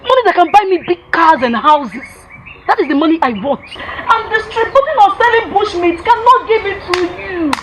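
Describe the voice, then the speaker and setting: Woman playing a sick-of-it nigerian wife, high lively voice, bit of noise. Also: moderate pace. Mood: fed-up. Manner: scolding, complaining. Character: fed-up, ambitious village wife.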